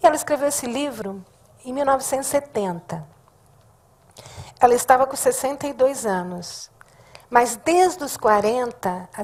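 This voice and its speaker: A woman speaks at a moderate pace with lively intonation. Her loudness swings widely, and long pauses come often. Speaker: anthropologist and writer giving a talk. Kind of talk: lecture.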